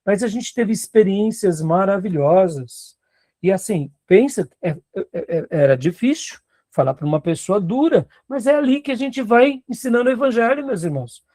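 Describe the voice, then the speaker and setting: Animated Brazilian pastor teaching seminarians. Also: male voice, high voice, moderate pace, no echo, studio quality. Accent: Brazilian Portuguese. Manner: animated, laughs often, acts out quoted voices. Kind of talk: classroom teaching with anecdotes.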